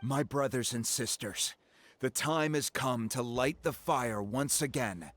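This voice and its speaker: A man voicing a tribal chief who leads a ceremony in a video game, speaking in a measured, ceremonial way. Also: medium pitch, fairly bright tone, dry recording. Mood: solemn. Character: solemn male tribal chief leading a ceremony.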